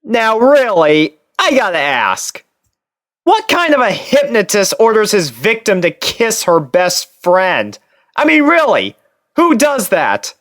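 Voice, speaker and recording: A man reading fan fiction as a first-person narrator, expressive and theatrical. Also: high voice, slow, no echo, clean studio sound.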